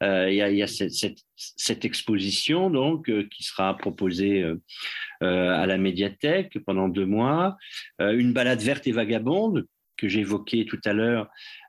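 Speaking at a fairly slow pace, a man uses a fairly low pitch and ordinary pitch variation in a very clean recording with a silent background. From northern France (Dunkirk). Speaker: crime novelist. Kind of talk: interview. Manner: halting, frequent repetitions.

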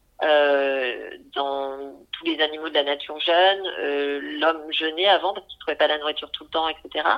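Noticeable background noise accompanies a woman with a very deep, low pitch. She speaks with fairly even intonation and hardly any pauses. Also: moderate pace. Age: 40s. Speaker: naturopath and yoga teacher. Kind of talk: interview.

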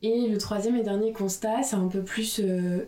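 A woman talks at a fairly slow pace. Her intonation is fairly even, with audible room echo around her. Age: 20s. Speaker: book publisher. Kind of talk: interview.

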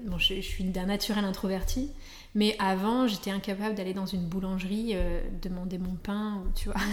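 Over noticeable background noise and audible room echo, a woman speaks at a medium pitch with monotone, flat intonation. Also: moderate pace. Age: 30s. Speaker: entrepreneur and business coach. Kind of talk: casual chat.

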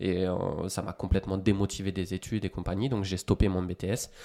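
On a very clean recording with a silent background, a man speaks at a moderate pace, his tone dark and mellow and his pitch fairly low. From France, Loiret (Centre region). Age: 30s. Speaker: DJ and electronic music producer. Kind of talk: casual interview. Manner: halting, many repetitions.

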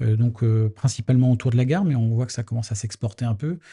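A man at a very fast pace, somewhat breathy, medium in pitch, with a dark, mellow tone, fairly even intonation and a dry, close sound with no echo. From Paris suburbs, France. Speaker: commercial real estate executive. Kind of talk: interview. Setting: guest's office.

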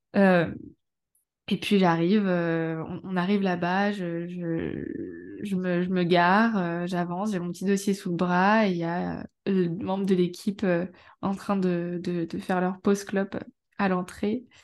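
At a very slow pace, a woman speaks in a medium pitch with monotone, flat intonation against a quiet background. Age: 20s. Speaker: primary school teacher sharing birth story. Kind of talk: testimony. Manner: halting, many fillers.

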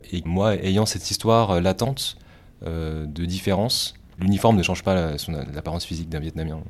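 A man with a very deep, low voice speaks at a moderate pace with ordinary pitch variation. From France, Bordeaux area, Vietnamese parents. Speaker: interviewee, engineer. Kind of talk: personal testimony.

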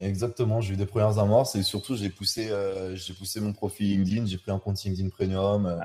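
With a dark, mellow tone and fairly low pitch, a man speaks at a fairly quick pace in a monotone, flat intonation. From Île-de-France. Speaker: freelance web developer. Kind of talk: casual interview. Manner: halting.

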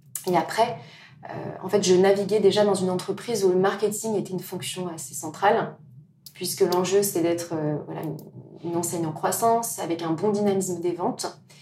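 A woman speaks at a fairly quick pace with fairly even intonation and a medium pitch, pausing long and often. The room echoes audibly, and background noise is noticeable. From France (Belgian-born, moved at 5). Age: 30s. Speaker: fast-food chain executive. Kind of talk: interview conversation.

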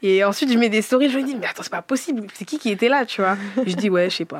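A woman's fairly high-pitched voice with ordinary pitch variation at a very fast pace. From grew up moving between Switzerland, Greece, Réunion and western France. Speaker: singer and rapper. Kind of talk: casual interview. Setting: studio.

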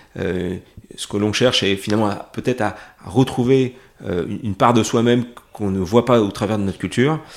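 A man with a fairly low voice talks at a moderate pace, leaving long, frequent pauses. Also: ordinary pitch variation. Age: 40s. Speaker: travel agency president. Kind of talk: interview. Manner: hesitant, many fillers and repetitions.

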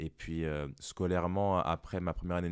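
Monotone, flat intonation at a moderate pace, dry and close with no echo, on a very clean recording with a silent background. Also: man. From Paris suburbs, France (Seine-Saint-Denis). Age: 20s. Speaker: professional American football player. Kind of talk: casual interview.

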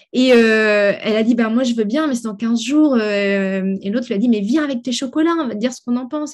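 Here is a woman with a high voice. She talks at a fairly quick pace. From northern France. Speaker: entrepreneur, association director. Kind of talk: interview.

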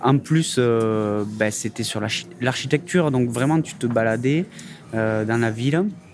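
Noticeable background noise sits behind a man speaking at a fairly slow pace. His pitch is medium, with ordinary variation. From Aveyron, southern France. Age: 30s. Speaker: miner's grandson. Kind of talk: interview.

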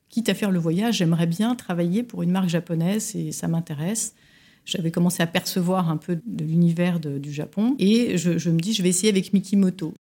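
A somewhat breathy voice with a dark, mellow tone moves at a moderate pace. The recording is very clean, with a silent background. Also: woman. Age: 50s. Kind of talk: interview. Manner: halting, frequent repetitions.

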